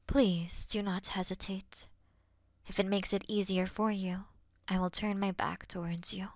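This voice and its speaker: A woman playing a weary, noble and gentle demon queen in a fantasy audio roleplay, speaking earnestly in a breathy, hushed way. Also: mid-range voice, level tone, no echo, clean studio sound, lightly acted. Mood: solemn, resigned. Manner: solemn, slow, earnest, breathy hushed delivery.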